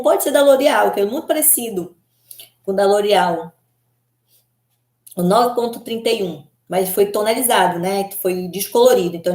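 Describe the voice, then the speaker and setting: A woman hair color specialist from Belém speaks in a loose, giggly, conversational way and keeps tossing tag questions at her viewers. Her voice sits at an ordinary middle pitch. The room around her rings with a noticeable echo. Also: darkish tone. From Belém do Pará, Brazil. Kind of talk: casual live chat answering viewers.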